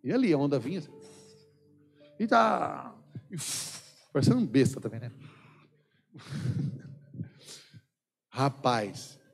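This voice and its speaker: A Brazilian man with a São Paulo accent preaches a sermon in a large church hall, and his mid-pitched voice rings out with a long reverb. He tells stories with a joking edge, laughing often and acting out what people said. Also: big pitch swings, unhurried, long pauses, darkish tone, slightly rough, soft background music. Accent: Brazilian Portuguese, São Paulo. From São Paulo state, Brazil. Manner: jokey storytelling, acts out quoted dialogue, laughs often. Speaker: missionary preacher.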